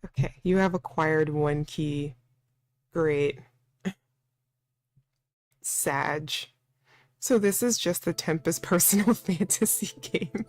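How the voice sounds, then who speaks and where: A woman's voice: low-pitched, takes it slowly, long pauses, a little mellow, no room sound. A woman playing a visual novel and commenting casually, thinking aloud in a playful, slangy, informal way. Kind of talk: casual let's play commentary with read-aloud game dialogue.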